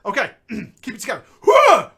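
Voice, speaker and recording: This is a man hosting a comedic story-reading show, trading jokes with his co-host. His pitch moves a lot, and he swings between shouted bursts and muttered asides, often breaking into laughter. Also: huge pitch swings, fairly quick, crowd noise.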